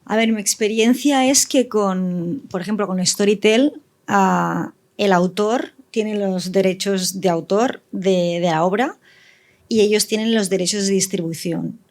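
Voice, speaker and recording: A woman's voice: medium pitch, unhurried, darkish tone. She is a woman with a mid-range voice. She speaks as a panelist in an informal discussion, explaining in a slightly tentative way. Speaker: panelist, audio fiction writer.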